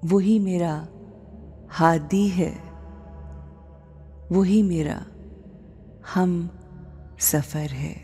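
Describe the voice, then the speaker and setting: A woman with a slightly low, mellow voice leads a devotional meditation over background music. She speaks extremely slowly, setting out one short phrase at a time and leaving pauses between them. Her delivery is often hushed and breathy. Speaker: guided meditation leader. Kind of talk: slow devotional guided meditation.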